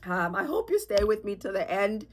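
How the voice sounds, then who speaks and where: A woman's voice: mid-range voice, big pitch swings, moderate pace. Congested woman chatting candidly on her podcast. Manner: candid, chatty, rambling with fillers and nervous laughs. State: congested, sick with a sore throat. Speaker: podcast host. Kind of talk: casual solo podcast talk.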